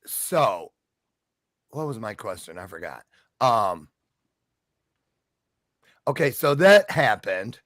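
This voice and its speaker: Man, interview host, animated pitch, chatty and joking, dry sound. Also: slow pace, pauses often, dry recording. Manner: chatty, joking, loses his train of thought. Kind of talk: casual interview.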